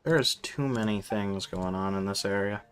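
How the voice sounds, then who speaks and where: A man doing casual, unscripted game commentary on a stream, thinking out loud and swearing freely. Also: on the low side, normal speed, soft background music.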